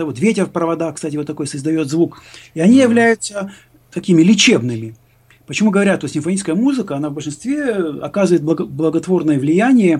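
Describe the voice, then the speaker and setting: This man's voice is high in pitch, his intonation lively and his pace very fast. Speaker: musician. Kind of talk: casual chat. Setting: studio. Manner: halting.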